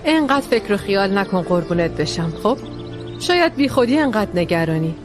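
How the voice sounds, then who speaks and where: A woman's voice: mid-range voice, sing-song, natural voice. An actress dubbing an affectionate woman who coaxes and reassures a worried friend. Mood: reassuring. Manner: soothing, coaxing. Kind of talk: Persian drama dubbing. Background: clear music score.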